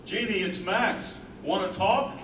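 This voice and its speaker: A man's voice: high-pitched, slow, fairly bright tone. A man in a staged play reading, playing an earnest, devoted young man courting his sweetheart with theatrical delivery. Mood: warm, hopeful. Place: live staged reading in a room. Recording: echoey room, distant mic, noisy.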